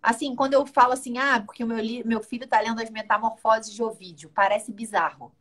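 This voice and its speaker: Husky, high Brazilian woman chatting. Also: steady tone, brisk, fairly bright tone. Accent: Brazilian Portuguese. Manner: talkative, keeps checking in with the listener. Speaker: guest. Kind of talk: casual conversational interview.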